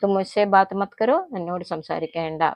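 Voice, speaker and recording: A woman with a Malayali accent, a native Malayalam speaker, teaching everyday Hindi phrases in a casual lesson, explaining them slowly and repeating each example. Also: fairly low pitch, a little mellow, no room sound. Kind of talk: casual spoken-language lesson.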